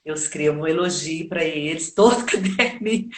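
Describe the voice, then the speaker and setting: A woman who coaches actors' voices for theatre, talking reflectively in a casual interview and often pausing on tag questions. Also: low-pitched, a little mellow, reverberant, a little hiss or hum. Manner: reflective, thinks aloud with frequent tag questions. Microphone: video call.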